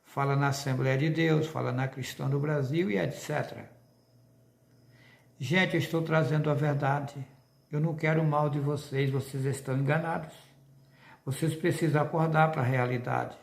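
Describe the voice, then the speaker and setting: A man's voice: on the high side, steady tone, normal speed, vocal fry, reverberant. A man with a Brazilian accent preaching an insistent religious monologue to viewers, full of rhetorical questions.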